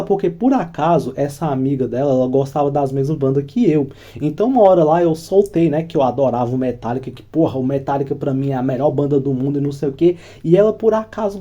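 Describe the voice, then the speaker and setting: A man's voice: fairly high pitch, warm tone. A Brazilian man telling a crude, rambling personal story in casual slang as the host of his channel. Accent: Brazilian Portuguese.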